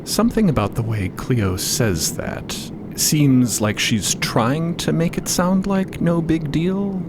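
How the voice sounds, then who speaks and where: A man's voice: on the high side, expressive, takes it slowly, background noise. A man narrating a scripted audio drama as a storyteller.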